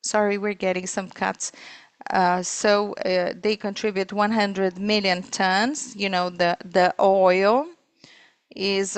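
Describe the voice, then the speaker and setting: A woman interpreting live on a corporate earnings call, speaking in halting, piecemeal phrases. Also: mid-range voice, clear, resonant tone, no echo. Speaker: simultaneous interpreter.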